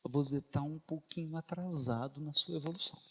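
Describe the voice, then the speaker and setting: A man with a husky voice on the high side speaks fairly quickly while giving a spiritist lecture in a reverberant lecture hall. He tells a story and puts rhetorical questions to the audience.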